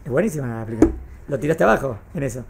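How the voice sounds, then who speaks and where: A woman's voice: a bass voice, animated, rapid-fire, creaky, darkish tone, slight background noise. A woman with a Rioplatense Spanish accent teaching a class, often checking whether her students have understood. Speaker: religious studies teacher. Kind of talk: classroom lecture.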